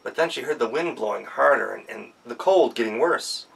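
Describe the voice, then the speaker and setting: A male professional storyteller telling a folktale in a gentle, rhythmic way with pauses. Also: mid-range voice, expressive, gravelly, slightly rough, far from the mic, low-quality recording.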